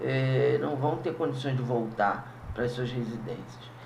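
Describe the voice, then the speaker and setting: The speech moves at a fairly slow pace with ordinary pitch variation, carrying audible room echo and noticeable background noise. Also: man. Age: 60s. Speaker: spiritist study leader. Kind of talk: religious study commentary. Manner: halting.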